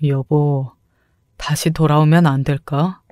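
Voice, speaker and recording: A woman voicing a petty middle-aged ex-husband who pleads and then snaps, lowering her voice for him. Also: fairly even intonation, slow, warm tone, dry recording, clean studio sound. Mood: pleading.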